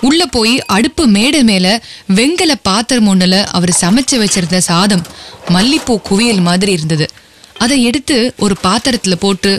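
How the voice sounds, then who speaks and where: A woman narrating a radio drama with expressive storytelling. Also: medium pitch, slight background noise.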